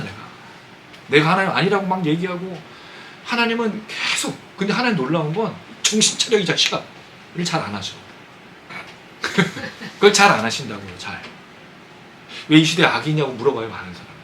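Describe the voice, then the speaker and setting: A man's voice: a little high, a bit bright, a little hiss or hum, rough recording. A man preaching a Sunday sermon, talking conversationally and asking his congregation questions. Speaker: pastor. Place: church sanctuary.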